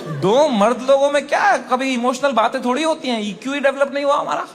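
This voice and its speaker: High-voiced stand-up comedian. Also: male voice, fairly quick, some chatter behind. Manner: animated, mocking, swings between hushed and shouted asides.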